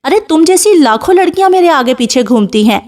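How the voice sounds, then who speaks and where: An arrogant, hot-tempered rich young man from an audiobook novel, curt and threatening in every line, read by a woman. His voice sits fairly high, since the storyteller keeps her own register. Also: sing-song. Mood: furious. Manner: harsh, threatening, commanding.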